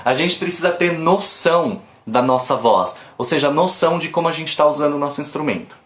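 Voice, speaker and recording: A man from Brazil giving a live online pronunciation class on his phone, chatty and lively, stopping to demonstrate sounds. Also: a little high, a little fast, reverberant. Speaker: English teacher. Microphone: phone camera.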